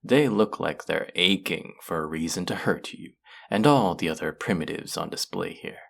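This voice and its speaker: A man playing a haughty, cruel yet curious alien buyer in an audio roleplay, talking down to the listener in a deliberate, condescending murmur. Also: low-pitched, expressive, creaky, a bit bright, full character voice. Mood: menacing, mocking.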